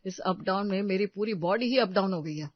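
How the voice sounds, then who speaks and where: Cheerful young husband, played by a man; calm, joking, dry lo-fi story sound. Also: high voice, a little fast, no room sound. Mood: teasing. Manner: soothing, joking.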